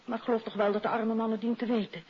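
An actress playing a prim, easily affronted headmistress in a 1950s radio detective drama. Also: female voice, fairly high pitch, little pitch movement, rapid-fire, slight background noise, natural voice. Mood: defensive. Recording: muffled old radio recording.

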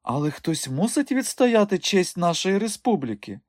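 A man's voice: high-pitched, big pitch swings, normal speed, darkish tone, no echo, studio quality, voice pushed up. A man voicing a seductive middle-aged female circus owner who talks in a coaxing, flirtatious way.

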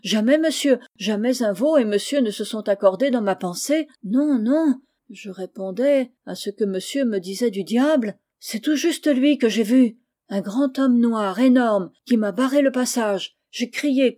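A woman's voice: medium pitch, normal speed, few pauses, a little mellow, natural voice. A woman voicing a cunning young servant woman who speaks in a quavering, breathless, mock-innocent way. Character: cunning young female servant feigning fright.

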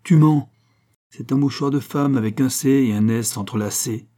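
A man's voice: mid-range voice, normal speed, mellow, lightly acted. A man voicing a fierce, jealous young Gypsy woman who threatens her lover with vehemence. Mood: furious.

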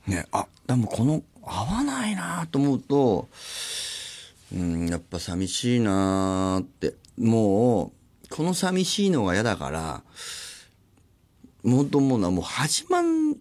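A man hosting a solo radio show, chatting casually and acting out other people's lines in quick little voices. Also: on the low side, darkish tone. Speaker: radio host.

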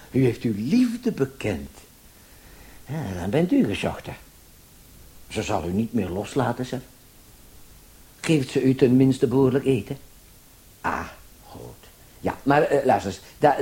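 A radio-play policeman, fussy and self-important. His pitch leaps about constantly as he stammers and rambles, by turns servile and bossy. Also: big pitch swings, unhurried, long pauses, dark tone. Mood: deferential, hesitant. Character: bumbling, excitable, self-important male policeman, number zero-eight. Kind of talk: Dutch radio play acting.

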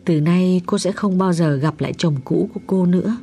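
A man voicing an older woman psychic who speaks gently but insistently, in an audiobook story. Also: high voice, moderate pace, slightly rough, pitched above the performer's own voice. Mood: weary. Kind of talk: audiobook character voice.

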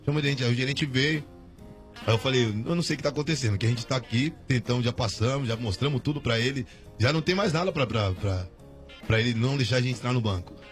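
A man's voice: medium pitch, fast talker, faint music behind. A man, a guest on a radio show, telling a story in slangy casual talk with many restarts.

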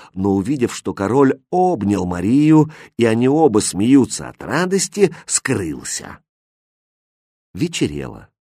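A man narrating a fairy tale for an audiobook in an expressive storytelling manner. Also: fairly low pitch, slightly rough, no echo, studio quality.

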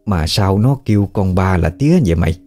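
A man's voice: deep voice, expressive, a little fast, mellow. A man with a Southern Vietnamese accent voicing a half-blind old woman asking puzzled questions.

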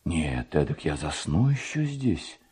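Dreamy young Cossack voiced by a man, low and husky. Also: sing-song, a little slow, darkish tone, exaggerated voice. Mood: drowsy. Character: young Cossack lad, dreamy, wondering, tender romantic.

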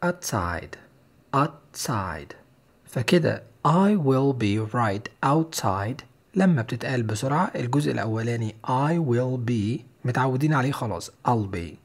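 A man with an Egyptian Arabic accent teaching an English listening lesson. He explains patiently and repeats English phrases slowly and clearly. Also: medium pitch, lively intonation. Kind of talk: online language lesson.

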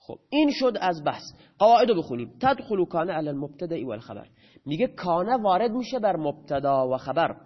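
Teaching grammar, a man speaks in a sing-song way with a voice on the high side, asking his class something and supplying the answer himself. The audio is slightly muffled and dull.

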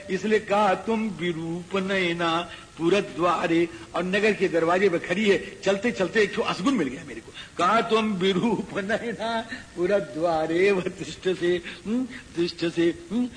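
A man with a high voice gives a devotional discourse. He chants verses and explains them, acting out characters. The hall around him echoes, and there is faint background hiss. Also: a bit bright. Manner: chanting Sanskrit verses then explaining in Hindi, voicing characters. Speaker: Ramayana preacher. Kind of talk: devotional discourse with Sanskrit recitation.

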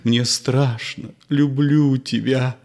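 A man's voice: medium pitch, fairly even intonation, takes it slowly, darkish tone. A man voicing a frightened, clinging woman. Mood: fearful. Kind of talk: audiobook play reading.

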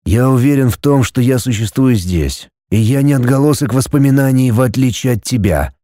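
A confused but determined young man speaks in a plain, restrained voice, as the narrator voices him. The tone is mellow and dark, and the sound is close and dry. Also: mid-range voice, fairly quick, no echo, lightly acted.

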